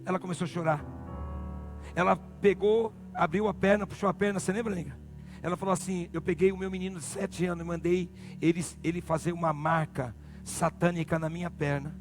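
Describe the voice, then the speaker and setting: A male pastor with a Brazilian accent preaching a sermon, swinging from low murmurs to loud shouted peaks. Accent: Brazilian Portuguese. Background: music.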